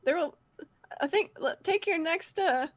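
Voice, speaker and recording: A woman's voice: very high voice, unhurried, no echo, voice pushed up. A woman voicing a nervous young man who stammers and keeps apologizing. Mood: flustered.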